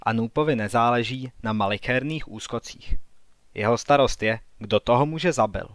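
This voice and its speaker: A man's voice: mid-range voice, no echo, clean studio sound, lightly acted. A man reading a shrewd, composed sister. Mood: reasoning.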